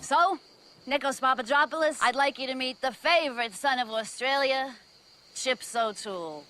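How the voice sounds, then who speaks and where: A woman's voice: sits high, normal speed, sharp tone, faint music behind. An actress playing a gushing woman making introductions.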